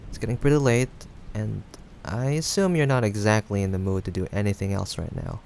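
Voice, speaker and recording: A young man playing an affectionate, teasing male friend who is a bit awkward, speaking haltingly in an intimate roleplay addressed to the listener. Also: lowish voice, vocal fry. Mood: hesitant, resigned. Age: young adult. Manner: halting, hesitant, with sighs and soft chuckles. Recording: steady background noise, rain ambience. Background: rain sound effects.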